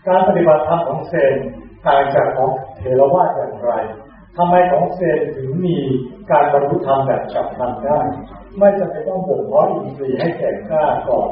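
A man's voice: on the high side, moderate pace. A man politely reading audience questions aloud to a teacher. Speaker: question reader. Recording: distant tinny roomy mic.

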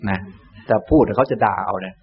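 A man, a Buddhist monk teacher, giving a calm, gentle dharma talk and answering questions. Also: lowish voice, muffled recording. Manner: calm, unhurried, gentle explaining.

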